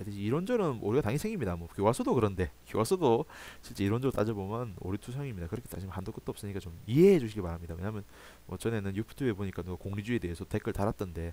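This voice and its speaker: A man talks very fast at a fairly low pitch, his tone dark and mellow, with ordinary pitch variation. The recording is very clean, with a silent background. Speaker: high school ethics teacher. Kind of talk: recorded lecture, closing remarks to students. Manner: hesitant, many fillers and restarts.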